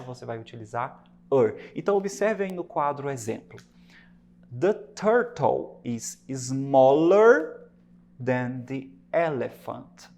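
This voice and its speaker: A man's voice: medium pitch, a little mellow. Brazilian male teacher explaining patiently. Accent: Brazilian Portuguese. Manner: patient explaining, slows down on English examples; asks rhetorical questions to the class. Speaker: English teacher. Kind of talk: recorded classroom lesson.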